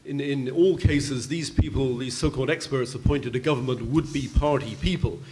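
An older man speaks as an expert at a convention panel, explaining in a measured way with halting restarts. His voice sits at an ordinary middle pitch. He talks into a table microphone in a large hall, with faint noise behind him. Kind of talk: public panel discussion.

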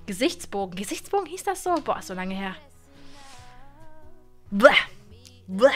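A woman in her twenties streaming from her gaming room into a boom-arm studio mic, chatting casually and animatedly with viewers, often stumbling and repeating words. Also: big pitch swings, unhurried, soft background music. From Germany. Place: gaming room with colored wall lights.

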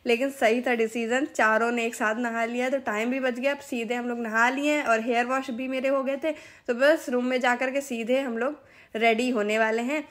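A woman's voice: a little high, steady tone, normal speed. A woman in her thirties with a Hindi accent, narrating a family vlog into a handheld phone and explaining each step to her viewers. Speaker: family vlogger.

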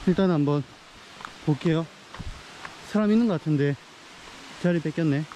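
A young man talks to a camera held at arm's length, casual and upbeat, his voice sitting a little high for a man. He records outdoors by a river, and a faint hum of outdoor ambience sits behind him. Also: moderate pace, low-quality recording. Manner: chatty, upbeat, gets excited outdoors. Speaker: travel vlogger. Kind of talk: casual travel vlog. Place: outdoors by a river and a jungle waterfall.

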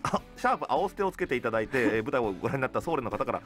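A man's voice: medium pitch, big pitch swings, racing, a bit bright, faint music behind. A man hosting a radio show in casual, polite studio chat. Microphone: studio boom microphone.

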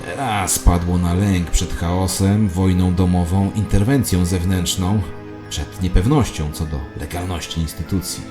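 A man's voice: low-pitched, steady tone, measured pace, music in the background. A man voicing a knowing hologram phone clerk who reveals a cosmic conspiracy in a cryptic, authoritative audio drama monologue. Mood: ominous, knowing.

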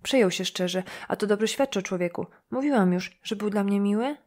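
A woman's voice: mid-range voice, a little fast, lightly acted. A woman reading an audiobook, voicing a shy, talkative teenage village girl who runs herself down. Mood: chatty. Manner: lively, chattering, self-deprecating.

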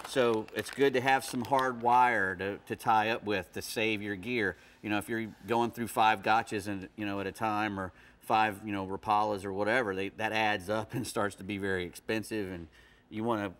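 A man's voice: fairly low pitch, fairly even intonation, normal speed, fairly bright tone. A middle-aged man giving fishing tips in a casual studio chat, folksy and rambling with frequent restarts. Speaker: fishing guest expert. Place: TV studio set.

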